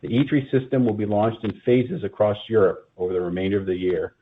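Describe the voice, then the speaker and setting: A man reading a scripted corporate earnings presentation in a formal, measured manner, as a company executive. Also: lowish voice, steady tone, breathy edge. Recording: muffled, phone-like conference call line.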